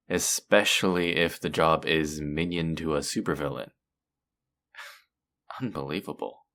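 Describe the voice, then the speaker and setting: A man's voice: sits low, vocal fry, fairly bright tone, exaggerated voice. A man playing a feared supervillain in an audio roleplay, theatrical and businesslike, with a dry, politely condescending manner. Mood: exasperated. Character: feared male supervillain, theatrical yet businesslike and dryly amused. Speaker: supervillain interviewing a job applicant. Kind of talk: audio roleplay acting, addressing the listener.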